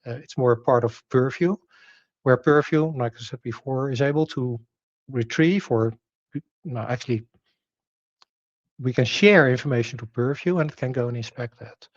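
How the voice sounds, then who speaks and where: A man's voice: medium pitch, moderate pace, pauses often, no echo, muffled recording. A man whose native language is Dutch, giving a technical presentation, explaining with rhetorical questions, fillers and restarts.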